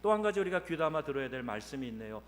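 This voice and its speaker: A man preaching a Sunday sermon as pastor, swinging from quiet asides to loud acted-out quotes. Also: a little high, very animated, very fast, in a large hall, slight background noise. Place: church sanctuary.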